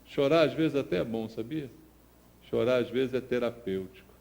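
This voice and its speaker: A man's voice: medium pitch, normal speed, vocal fry. A man preaching a Sunday sermon in church, emphatic and rhythmic, asking the congregation questions and repeating phrases for effect. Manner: emphatic, swings from loud declarations to quiet asides, addresses the congregation. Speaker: pastor.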